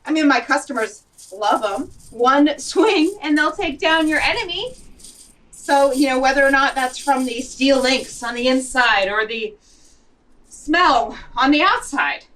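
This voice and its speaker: A woman's voice: sits high, lively intonation, a little slow, a bit bright, recorded from a distance, low-quality recording. A woman playing a scrappy post-apocalyptic weapons seller in a comedic audio drama, with casual, rambling sales patter. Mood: chipper.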